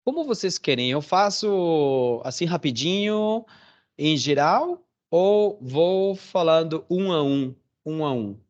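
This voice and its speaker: A man's voice: on the high side, animated, slow, highs cut off. A man teaching a Portuguese class online, telling stories in a chatty way and checking in with his students often. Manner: chatty storytelling with frequent "né?" and "tá certo?". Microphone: phone or computer on a video call.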